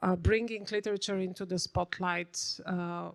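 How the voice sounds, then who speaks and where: A woman with a Bulgarian accent speaks at a fairly low pitch and a fairly slow pace, her intonation monotone and flat. The recording is very clean, with a silent background and a dry, close sound with no echo. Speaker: panel moderator. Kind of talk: panel discussion moderation. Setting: stage with audience. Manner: halting, many fillers.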